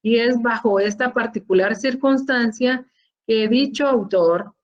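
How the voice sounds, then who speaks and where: A woman's voice: fairly high pitch, a little slow. A woman with a Guatemalan accent, a law lecturer explaining course material and often adding questioning tags. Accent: Guatemalan Spanish. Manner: explanatory, frequent tag questions and fillers. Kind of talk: online class lecture. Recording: dull lo-fi audio.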